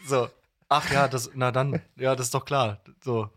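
A man's voice: medium pitch, level tone, normal speed, a bit bright, slight background noise. A man, a voice actor as podcast guest, explaining things in casual, agreeable interview chat.

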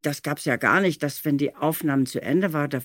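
An older woman recalling studio work in an animated, anecdotal way, with emphatic stress on key words. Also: sits low, fairly quick, no echo. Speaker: audio drama director recalling studio work.

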